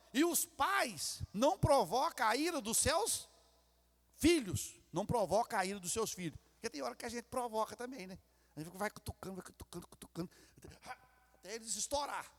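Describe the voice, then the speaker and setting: Brief: Brazilian pastor, high lively voice, preaching in a long-echo hall. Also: male voice. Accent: Brazilian Portuguese. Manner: acts out quarrels in character voices. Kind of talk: sermon. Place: church sanctuary. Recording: reverberant church hall.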